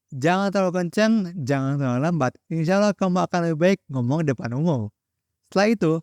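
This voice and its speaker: Young man from Indonesia, fairly high voice, close dry mic, instructive tone. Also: a little mellow, no room sound. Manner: direct, addresses viewer as friend, instructive. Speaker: content creator teaching public speaking. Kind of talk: scripted-sounding solo tutorial to camera.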